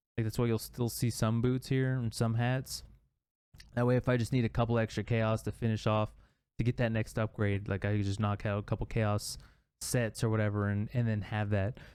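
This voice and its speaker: A man speaks quietly at a fairly quick pace and fairly low pitch with fairly even intonation, in a very clean recording with a silent background. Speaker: gaming youtuber. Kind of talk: tutorial. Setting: at home, away from the studio. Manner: casual, filler-heavy.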